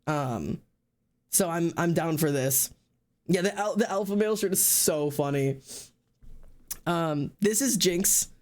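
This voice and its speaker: A streamer and artist in casual chat, talking in an excitable, rambling way and swearing freely. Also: medium pitch, a little slow, pauses often.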